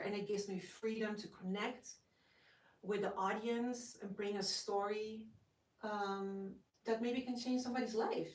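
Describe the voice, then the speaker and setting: A young Dutch woman with a Dutch accent, a guest actress talking with gushing enthusiasm and lots of fillers. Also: mid-range voice. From Netherlands. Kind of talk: casual interview. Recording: roomy, distant from the mic.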